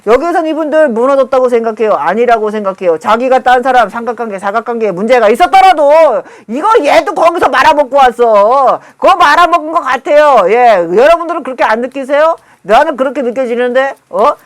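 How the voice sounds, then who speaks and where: A woman's voice: sits high, lively intonation, fairly quick, few pauses. A woman shaman giving a tarot reading in a playful, teasing, rambling chat with viewers. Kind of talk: casual tarot reading monologue.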